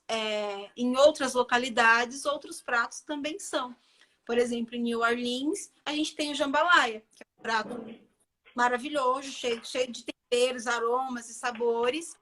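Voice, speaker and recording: A woman's voice: high-pitched, pushed and bright. A Brazilian woman with a Bahian accent, a chef chatting casually as a guest and repeating phrases for emphasis. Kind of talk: casual live conversation.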